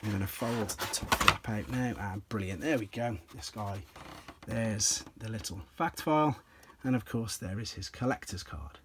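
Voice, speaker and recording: A slightly hoarse man, an enthusiastic toy collector, casually explaining and demonstrating pieces from his collection step by step, with frequent ums. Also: fairly low pitch, normal speed, noisy background. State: slightly hoarse, clears throat.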